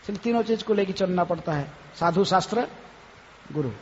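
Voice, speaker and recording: A high-pitched man gives a devotional temple lecture and keeps tagging his phrases with a questioning "hain?". His voice carries a long hall reverb, and the recording sounds dull and lo-fi with faint noise behind it. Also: lively intonation, darkish tone. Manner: chants scripture verses slowly. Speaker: swami giving a lecture.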